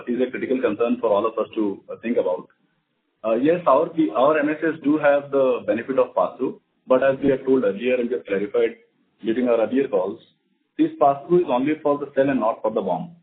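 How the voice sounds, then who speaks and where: Through a thin, phone-like line comes an Indian man with a mid-pitched voice. He sounds like a company executive addressing investors, formal and measured in his delivery. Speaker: company executive on an earnings call. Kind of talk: prepared remarks and formal investor answers. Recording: narrow, phone-like conference line.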